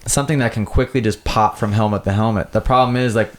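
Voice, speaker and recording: A man in casual podcast conversation, telling stories in an animated way and often saying "like". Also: fairly low pitch, fast. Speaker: motocross rider and coach, podcast guest. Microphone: podcast microphone.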